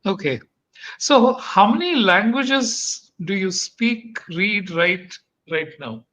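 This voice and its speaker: A podcast host interviewing a guest, mostly giving short acknowledgements and asking measured questions. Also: medium pitch, sing-song, a bit bright.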